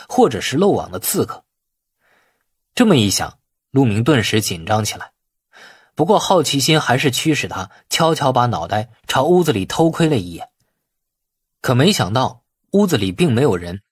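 A man's voice: medium pitch, slightly rough, dry recording, studio quality. A man reading a suspense novel as a dramatic audiobook narrator.

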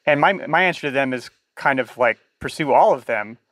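A man hosting a podcast, asking casual interview questions in a halting, thinking-aloud way. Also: medium pitch, expressive, fairly bright tone, dry recording.

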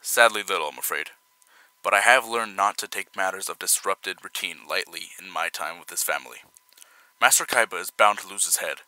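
Audio drama right-hand man acted by a man: very low, sharp-edged voice, formal and composed. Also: no room sound, low-quality recording. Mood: grave urgency. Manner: formal, measured, polite. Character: formal, dutiful male personal assistant, grave and composed.

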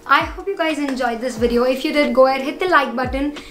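A woman's voice: high voice, fast, roomy sound, faint music behind. A young woman vlogger giving a casual, enthusiastic tour of her living room to camera. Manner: enthusiastic, gesturing widely while walking around. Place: echoey indoor living room. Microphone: camera-mounted shotgun mic.

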